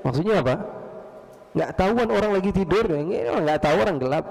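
Gravelly-voiced preacher in an echoing mosque. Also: male voice, high-pitched, animated, quick pace, a little mellow. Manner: conversational, asks and answers own questions. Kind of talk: storytelling religious lecture. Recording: long reverb of mosque hall.

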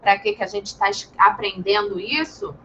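A Brazilian woman teaching young children over a video call, patient and gentle, calling pupils sweet names. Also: medium pitch, moderate pace, lo-fi sound, a little hiss or hum. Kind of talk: online class for young children.

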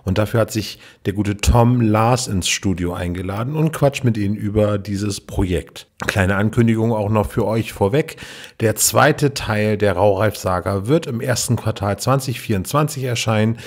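A man's voice: fairly low pitch, normal speed. A man presenting announcements as a podcast host in a prepared style.

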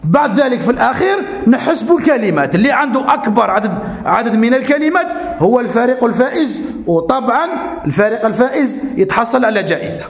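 Algerian guy teaching little kids, really high voice, talks fast, echoey classroom. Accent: Algerian Arabic. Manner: animated, coaxing teacher voice, slow deliberate dictation. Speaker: primary school teacher. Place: school classroom.

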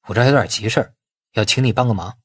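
A man voicing a shrewd, bossy man who gives orders in a brisk, casual, persuasive way in an audiobook. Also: on the low side, slightly rough, no room sound, pitched below the performer's own voice. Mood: businesslike.

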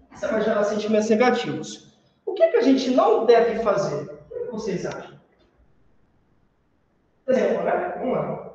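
A man's voice: high voice, slight background noise. A man with a Brazilian accent teaching a class on customer service, telling stories and acting out customers and clerks. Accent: Brazilian Portuguese. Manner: animated storytelling, acts out customers and clerks. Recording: echoey room, far from the mic, dull sound.

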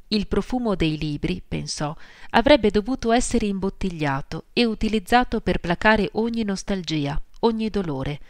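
A woman narrating an audiobook in a measured, even reading. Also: fairly low pitch, dry recording, studio quality. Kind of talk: scripted narration.

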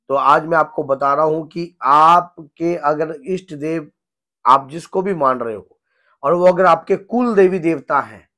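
A hoarse man in his thirties, a spiritual guru giving an earnest devotional teaching talk at home. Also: a little high, fairly bright tone. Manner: earnest, gesturing, repeats himself. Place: home room with a shrine, indoors.

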